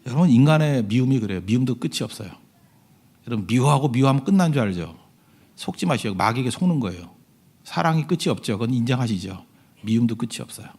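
In a mid-range voice, a male pastor delivers a conversational sermon built around storytelling. He keeps asking the congregation "right?" to get them to agree, moving between loud emphasis and hushed asides.

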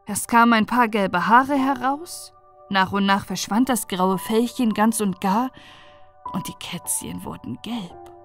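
Soft music plays in the background as a woman reads a fairy tale for an audiobook. Her voice is medium in pitch, and her storytelling is deliberate and full of expression.

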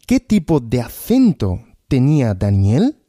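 Male language-podcast host, slow question-and-answer teaching, animated pitch, dry studio sound. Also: dry recording. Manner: asks questions and answers them himself, repeating.

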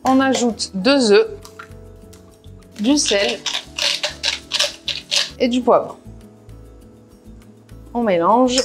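A woman's voice: on the high side, extremely slow, long pauses, over music. A woman walking through a recipe step by step in a casual cooking voice-over, with practical asides. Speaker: cooking vlogger. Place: home kitchen.

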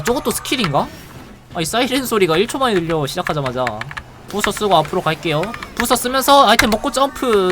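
A game streamer giving live gameplay commentary in an excitable, playful way, reacting quickly and laughing often. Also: mid-range voice, background noise.

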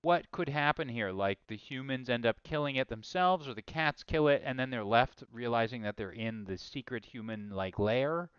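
An enthusiastic male host working out a game plot with a guest and asking question after question. His voice is smooth and resonant, recorded dry and close. The sound is slightly dull. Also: medium pitch, normal speed, few pauses, a bit bright, no echo. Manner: enthusiastic, asks lots of questions, self-correcting. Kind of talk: casual brainstorming chat.

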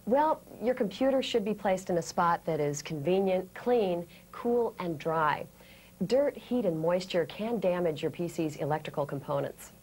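An American woman in her thirties presenting a scripted training lesson, explaining things clearly step by step. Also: fairly low pitch, normal speed, darkish tone, a little hiss or hum. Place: indoor studio set.

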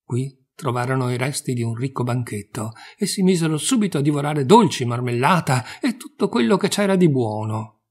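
A man reading fables aloud in a calm, measured storytelling manner. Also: medium pitch, slightly rough. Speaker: reader of fables. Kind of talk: audiobook fable narration.

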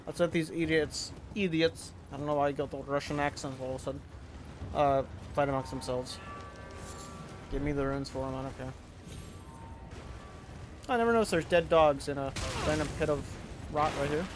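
A man's voice: a little high, fairly even intonation, moderate pace, pauses often. A man in his twenties casually talking to himself while streaming a game, offhand and mumbly. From United States. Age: 20s. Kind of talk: casual gameplay commentary. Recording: game music underneath.

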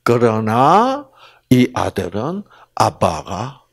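A man giving a religious lecture to an audience, animated, asking rhetorical questions and acting out the people in his stories. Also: mid-range voice, extremely slow, gravelly, no room sound. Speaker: health lecturer.

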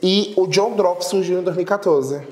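A man's voice: sits high, moderate pace. A man in his twenties from Salvador with a strong Bahian accent, telling stories in a casual interview. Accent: Bahian Portuguese. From Salvador, Bahia, Brazil. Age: 20s. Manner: animated storytelling, gesturing with his hands. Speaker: guest, internet personality. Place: studio room with a sofa, indoors. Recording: echoey room.

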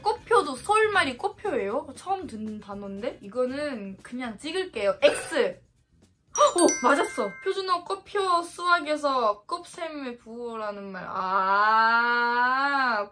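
A young woman with a Thai accent, a native Thai speaker, chatting through a quiz vlog indoors. She exclaims loudly when she gets an answer right or wrong. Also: a little high, animated, slow pace, soft background music. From Thailand. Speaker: vlogger. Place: indoors in a small room.

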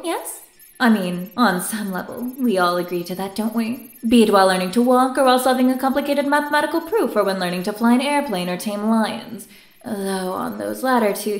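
A woman playing a condescending, wordy scientist in an audio drama, with theatrical delivery. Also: a little high. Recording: roomy, echoing sound.

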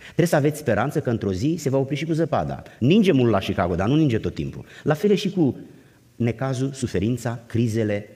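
A man's voice: mid-range voice, very animated, dark tone. A man preaching a wedding sermon in a church, exhorting the couple directly with rhetorical questions. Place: church sanctuary. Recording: echoey church hall with long reverb.

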